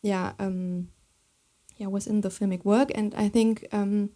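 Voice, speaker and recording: Flat, warm-voiced woman moderator. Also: medium pitch. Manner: halting, hesitant phrasing. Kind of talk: live panel conversation.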